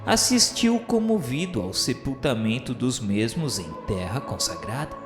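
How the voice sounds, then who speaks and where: A man's voice: medium pitch, sing-song, unhurried. A Brazilian man narrating a radio novel in a solemn, dramatic, grandiloquent literary style, with formal declamation. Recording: echoey, long reverb, music underneath. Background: music.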